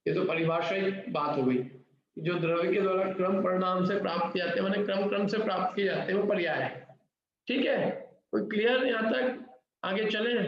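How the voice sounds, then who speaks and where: A middle-aged man teaching a scripture class, explaining step by step and asking the class questions. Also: high-pitched. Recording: very echoey, dull lo-fi room recording.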